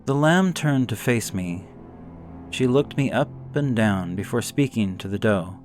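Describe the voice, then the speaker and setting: A man narrating a gothic horror story in the first person, with somber, measured, suspenseful dramatic delivery. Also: medium pitch, animated, a little mellow, soft background music.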